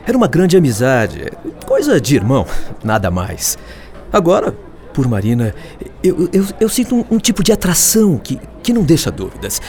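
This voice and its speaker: Moço brasileiro dissimulado, fala bem expressiva. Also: male voice, on the high side, huge pitch swings, normal speed, warm tone. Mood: self-justifying, smitten. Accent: Brazilian. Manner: hesitant, self-justifying, feigned candour. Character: smug, coldly pretending young man, son of wealthy family. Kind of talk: radio drama acting.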